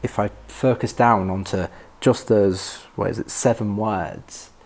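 A man speaking as a podcast guest in reflective personal conversation, thoughtful and halting as he searches for words. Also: lowish voice, steady tone, a little mellow. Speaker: podcast guest discussing a favourite poem.

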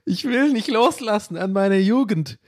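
A man's voice: sits high, animated, moderate pace, dry recording, studio quality. A podcast host in his late thirties, talking casually to his listeners in a rambling, self-reflective way and dropping in English phrases. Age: 30s. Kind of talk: casual chat monologue.

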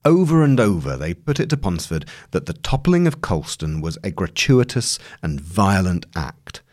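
Male narrator for audio long read: low-pitched, measured, articulate, dry close sound. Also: very animated, a little mellow, dry recording. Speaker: narrator reading a long-form news article.

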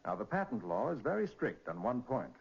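A confident American male detective from a 1940s crime drama. He explains things with assurance in a lively, slightly rough-edged voice. The recording is old, muffled radio. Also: medium pitch, fairly quick, heavily acted. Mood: assured, explanatory.

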